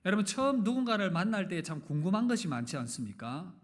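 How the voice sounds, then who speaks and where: A man from the Gyeongsang region preaching a sermon in a church, his rather high voice swinging through a lively range. He puts questions to the congregation and jokes with them, and now and then opens a point with a sudden loud push. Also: fast talker. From Gyeongsang region, Korea. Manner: animated, with sudden loud emphatic openings. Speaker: pastor. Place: church sanctuary. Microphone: live-streamed service mic.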